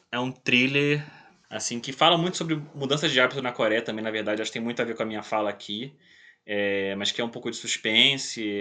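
Bright-voiced young Brazilian man chatting casually. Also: medium pitch. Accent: Brazilian Portuguese. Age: late 20s. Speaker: interview guest. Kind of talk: casual chat.

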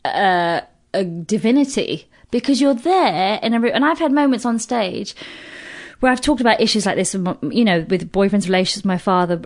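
A British woman in her thirties, a comedian speaking candidly in a podcast conversation, blunt and profane, with quick self-mocking asides. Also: medium pitch, a little mellow. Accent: British English. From Britain. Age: 30s. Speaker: comedian guest.

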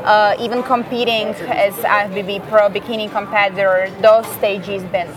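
A young woman speaks English with a Slovak accent in a chatty, loose interview style. She reaches for words now and then, and her pitch sits mid-range. Music plays clearly behind her in a hotel lounge. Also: steady tone, normal speed. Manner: chatty, non-native phrasing, searches for words. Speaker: guest. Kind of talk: casual interview chat.

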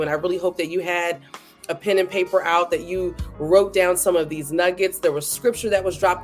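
Woman, podcast host, bubbly and enthusiastic, faint music behind. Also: on the low side. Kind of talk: faith podcast interview.

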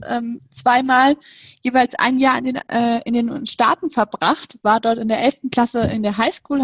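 A woman's voice: on the high side, no echo, highs cut off. A woman in her twenties co-hosting a podcast, hesitant, with many fillers. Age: 20s. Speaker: podcast co-host. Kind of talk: casual podcast chat.

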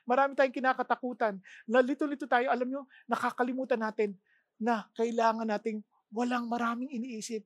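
A woman preaching a sermon, telling the story with lively, animated delivery and slipping English phrases into her talk. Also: fairly high pitch, fairly quick, no echo.

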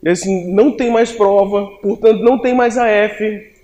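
Man, young adult, Brazilian Portuguese accent, humorous storytelling, self-mocking, animated, somewhat high voice. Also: normal speed, low-quality recording.

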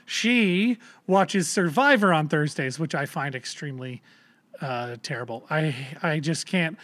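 A man's voice: a little high, a little slow, fairly bright tone. A man in his thirties co-hosting a parenting podcast in casual, rambling chat, with loose swearing and lots of fillers. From Canada. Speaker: podcast co-host.

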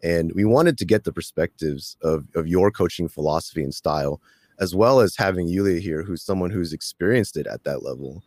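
Deep-voiced casual male podcast host. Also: no room sound, studio quality. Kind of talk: casual interview chat.

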